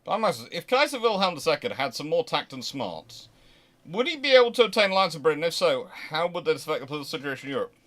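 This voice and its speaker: A man's voice: on the high side, very animated, fairly bright tone. A man hosting a live question-and-answer talk on history, speaking off the cuff with frequent restarts and emphatic stresses. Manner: halting, restarts sentences, thinks aloud, emphatic stresses. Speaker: host of naval history channel.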